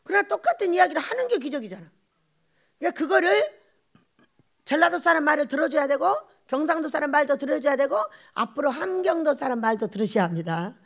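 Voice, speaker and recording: A woman pastor preaches with a high voice that swings widely in pitch. She presses her points with quick rhetorical questions and laughing asides. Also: animated, vocal fry. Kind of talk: sermon.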